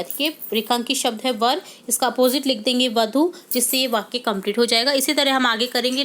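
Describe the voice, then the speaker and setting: A woman teacher patiently working through a grammar worksheet step by step, often pausing to check in with her students. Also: sits high, a bit bright. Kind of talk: worksheet solution lesson.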